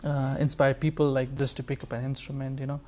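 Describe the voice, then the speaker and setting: A man with a Nepali accent, a folk musician being interviewed, talking casually and haltingly with many filler phrases. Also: medium pitch, monotone, darkish tone. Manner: hesitant, halting delivery full of like and you know. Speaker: folk musician, sarangi player, guest; music educator.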